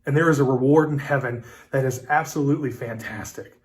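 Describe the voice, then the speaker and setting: A man in his thirties giving a midweek devotional sermon as pastor, talking in a relaxed, conversational, storytelling way with casual fillers. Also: medium pitch, a little fast. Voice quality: conversational, storytelling delivery with acted-out dialogue. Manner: relaxed, folksy preaching with fillers like "like" and "listen".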